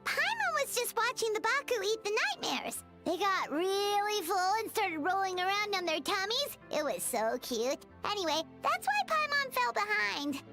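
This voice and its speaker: Game role: childlike female fairy companion, very squeaky, bubbly, highly animated. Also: normal speed, few pauses, over music, exaggerated voice. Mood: excited, chatty. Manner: bubbly, refers to herself in third person. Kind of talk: video game character dialogue.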